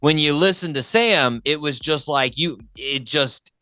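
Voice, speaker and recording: Male interview host. Bright, forward voice, very dry sound, chatty, keen, repeats himself. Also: fairly high pitch, unhurried, no room sound. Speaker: talk show host. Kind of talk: casual music interview chat.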